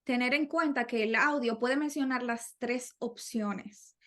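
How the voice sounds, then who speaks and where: A woman's voice: fairly high pitch, a little slow, a bit bright. A woman co-hosting a podcast, adding to exam tips in a conversational way and thinking aloud with many fillers and restarts. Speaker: podcast co-host.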